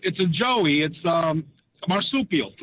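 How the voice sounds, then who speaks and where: A man's voice: fairly high pitch, lively intonation, measured pace, dry recording. Older man from Montreal, dull radio sound. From Montreal, Canada. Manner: easygoing, laughs along. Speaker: radio co-host and quiz contestant. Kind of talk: casual radio banter.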